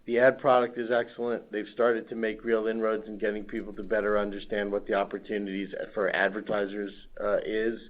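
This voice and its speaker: A man's voice: fairly low pitch, little pitch movement, a little fast, hardly any pauses. A man giving a corporate answer as an executive on an earnings call, over a tinny phone line. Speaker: company executive.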